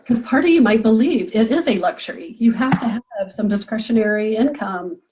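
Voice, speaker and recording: A woman's voice: a little high, expressive, moderate pace, darkish tone, low-quality recording. A woman business coach leading a group coaching call, encouraging and thinking aloud with frequent fillers.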